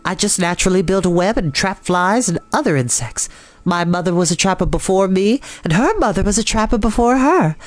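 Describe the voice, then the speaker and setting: Woman voicing a thin, high, pleasant little spider lady. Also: lively intonation, fairly quick, dry recording, natural voice. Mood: matter-of-fact. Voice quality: thin, light voice. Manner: pleasant, precise, self-assured. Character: small female spider, pleasant, proud, matter-of-fact.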